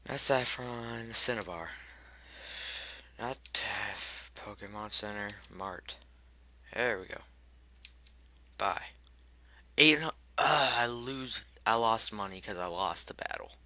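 A man's voice: lowish voice, bright, forceful tone. A man commentating his own gameplay, frustrated and swearing at the game while muttering the menu choices he picks, his voice cracking. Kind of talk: let's play commentary.

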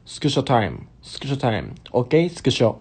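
Casting: Japanese man in his twenties, Kansai accent, mid-pitched, casual livestream host reading comments close to his phone. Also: sing-song, fast talker, darkish tone, husky. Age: 20s. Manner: chatty, switches into simple English phrases. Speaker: stage actor hosting a livestream. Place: small indoor bedroom or hotel room. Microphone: phone held close while lying on a bed.

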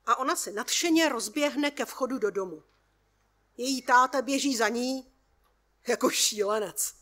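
Woman calmly reading a first-person story. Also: a little high. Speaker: workshop participant reading her story.

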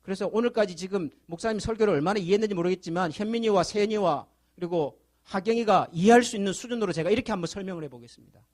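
A man's voice: sits high, rapid-fire, darkish tone. A male pastor preaching a sermon, telling a story to the children with questions to the congregation, then building to fervent appeals. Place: church sanctuary.

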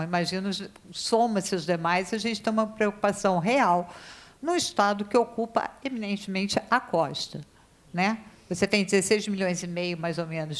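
A woman speaks in a legislative hearing room. She talks in an emphatic, worried way, thinking aloud and restarting sentences. She shivers from the cold as she speaks. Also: mid-range voice. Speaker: committee member questioning experts. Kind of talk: spontaneous committee speech.

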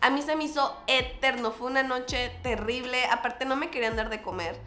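Mexican woman, casual vlog storyteller, fairly high voice, echoey room with faint music behind; lively, acts out the other voices. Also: moderate pace, a little hiss or hum. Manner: animated, acts out quoted dialogue with lots of fillers. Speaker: vlogger.

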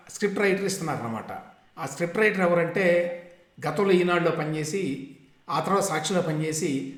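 A man who is a journalist, giving a conversational political commentary with emphatic turns and frequent fillers. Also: on the high side. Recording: echoey room.

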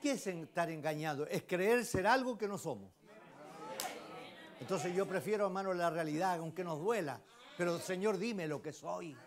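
A man with a Chilean accent preaching a sermon, often turning to the congregation with questions and swinging between loud exclamations and hushed asides. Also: high-pitched, expressive, moderate pace, a crowd in the background. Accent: Chilean Spanish. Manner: emphatic, keeps asking the congregation rhetorical questions. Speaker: lay preacher.

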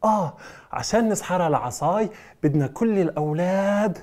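A man's voice: high-pitched, animated, a little fast, a little mellow. A man, presenting magic tricks to children and leading them in call-and-response. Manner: coaxing, call-and-response with children, playful exclamations. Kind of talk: lively children's show presenting.

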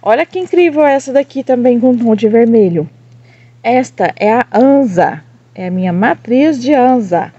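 A Brazilian woman showing off her succulents in a casual vlog, gushing over each plant and speaking warmly to her viewers. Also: on the high side, expressive, moderate pace, slightly rough, no echo, highs cut off. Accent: Brazilian Portuguese. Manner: gushing, addresses viewers as "gente", coos over plants with diminutives. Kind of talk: casual show-and-tell vlog.

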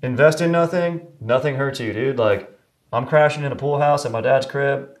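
A man's voice: mid-range voice, normal speed, natural voice. A man doing a slacker surfer-dude cop. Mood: laid-back. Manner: laid-back, drawling, says dude. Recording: roomy echo.

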